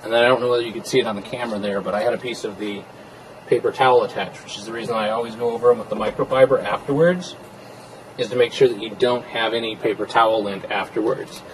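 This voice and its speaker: A man in a casual how-to video, talking in a relaxed, explanatory way while he works with his hands inside a car. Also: on the low side, fast, slight background noise, low-quality recording. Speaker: car interior DIY reviewer.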